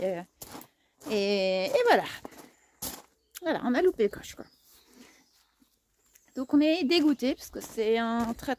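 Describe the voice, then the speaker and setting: A woman's voice: a little high, darkish tone, a little hiss or hum. A woman hosting a casual gardening video outdoors, chatty and playful, tripping over words and laughing at herself. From France.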